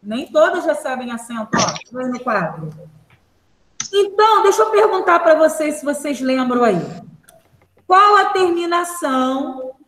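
Lively high-voiced woman teacher. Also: moderate pace, roomy sound, a little hiss or hum, rough recording. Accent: Brazilian Portuguese. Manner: patient, repeats rules, asks the class questions. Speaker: primary school teacher. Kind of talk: online class lesson.

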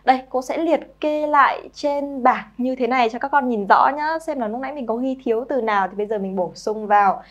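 A young woman who teaches English to children, coaxing her pupils and saying each new word slowly several times over. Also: high voice, highs cut off. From Vietnam. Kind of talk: children's vocabulary lesson.

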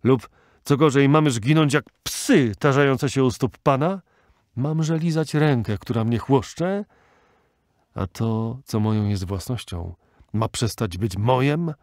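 A man voicing a proud, fierce old Arab sheikh who shouts in outrage, reading an audiobook with a dry sound. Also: unhurried, dry recording, lightly acted. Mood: outraged. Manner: shouting in outrage, rising pitch.

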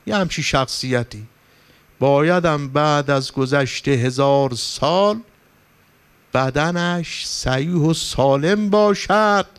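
A man delivers a sermon as a cleric, his slightly high voice clear and resonant. He tells stories with passion and climbs to emphatic, pleading peaks. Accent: Persian, from Iran. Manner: impassioned storytelling, rising for emphasis. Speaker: cleric preacher. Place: religious gathering hall.

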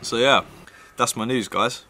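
A man's voice: mid-range voice, unhurried, sharp tone, a little hiss or hum. A man with a nasal voice, chatting casually to camera in a rambling vlog with plenty of fillers. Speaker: vlogger.

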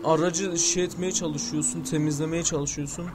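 A young man plays a game and talks over it, his voice sitting high. He swears constantly and keeps shouting angrily at the game. A faint noise hums behind him. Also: fairly even intonation, a little fast. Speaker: gameplay streamer. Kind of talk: gameplay commentary.

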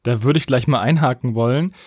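A man's voice: medium pitch, a little fast, darkish tone, husky, no room sound, clean studio sound. A man talking casually as one of the hosts of a podcast. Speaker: podcast host.

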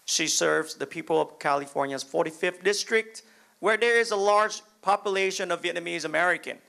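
High, gravelly-voiced young male emcee. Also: a little fast, bright, forceful tone. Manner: formal, announcing. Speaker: master of ceremonies. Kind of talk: formal introduction of a speaker. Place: large indoor banquet hall, on stage at a podium. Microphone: handheld mic.

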